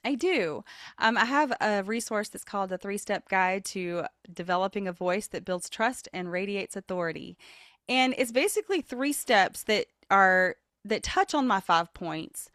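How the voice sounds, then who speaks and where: Expressive woman voice coach, dry sound. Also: normal speed, dry recording. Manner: expressive, demonstrates voices with big pitch jumps; earnest, motivational. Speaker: vocal leadership coach, podcast guest. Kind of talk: podcast interview.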